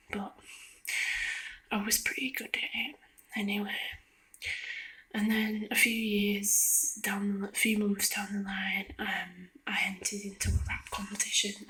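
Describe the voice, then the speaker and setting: A woman giving a soft-spoken ASMR ramble in a hushed, hesitant whisper, meandering as she goes. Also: mid-range voice. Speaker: video creator. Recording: lo-fi close whispering.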